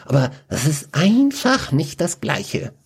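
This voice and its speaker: A man voicing a gaunt, pale, centuries-old male black mage with a husky voice who talks in a chatty, mocking way. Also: a little high, wildly swooping pitch, takes it slowly, voice pushed up, heavily acted.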